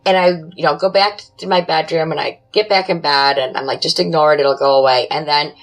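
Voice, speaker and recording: Soft music plays behind a woman whose voice sits low and steady as she talks a little fast on a podcast, and the audio is poor. She's a guest describing her own paranormal experiences in short, matter-of-fact, dramatic phrases, told conversationally in the first person.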